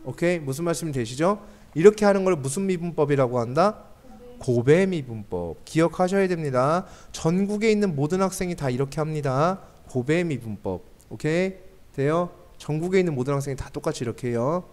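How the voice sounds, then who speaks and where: A man's voice: fairly high pitch, lively intonation, a little mellow. A man teaching a math class, often checking in with the students and adding joking asides. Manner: keeps checking understanding with quick questions to students; joking asides between explanations.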